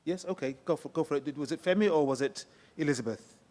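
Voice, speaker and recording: A man moderating a panel who talks quickly. He hands the floor around and asks speakers to keep it short, in a brisk, steady way. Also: fairly high pitch.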